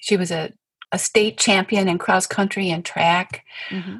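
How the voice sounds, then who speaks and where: A woman's somewhat breathy voice unfolds at a fairly slow pace. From Kentucky, Appalachia. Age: 70s. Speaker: author and lavender farmer. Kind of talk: interview conversation. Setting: remote recording from home.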